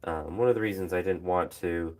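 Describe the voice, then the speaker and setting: A young man, a phys ed teacher, chatting casually about his training with a hoarse, phlegmy throat and many fillers and pauses. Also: sits low. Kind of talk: casual vlog chat while training.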